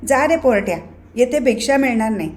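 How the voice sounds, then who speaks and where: A woman voicing a harsh middle-aged man who scolds and shouts with scorn, in a novel reading. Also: a little high, lively intonation, brisk, lightly acted. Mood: angry.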